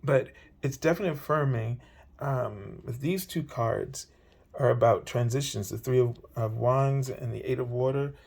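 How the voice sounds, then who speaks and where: A man doing a weekly tarot reading, speaking gently and meanderingly with many fillers, his voice slightly hoarse. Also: mid-range voice, moderate pace. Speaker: tarot reader.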